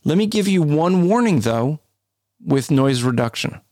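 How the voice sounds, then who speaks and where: Deep-voiced man explaining podcast tips. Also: expressive, unhurried, darkish tone, dry recording, clean studio sound. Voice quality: deep, booming voice. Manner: explanatory, conversational, with restarts. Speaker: podcast co-host. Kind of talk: casual podcast chat.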